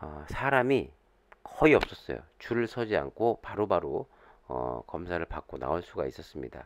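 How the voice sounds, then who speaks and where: At a moderate pace, a man speaks with a very deep, low pitch and vocal fry, his pitch swinging very widely and his loudness swinging a lot. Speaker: stock market YouTuber. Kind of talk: stock market commentary. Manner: many fillers, hesitant.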